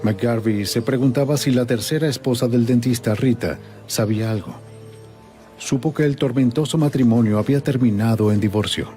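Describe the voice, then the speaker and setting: A man narrating a true-crime documentary in a measured, even storytelling manner. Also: mid-range voice, soft background music.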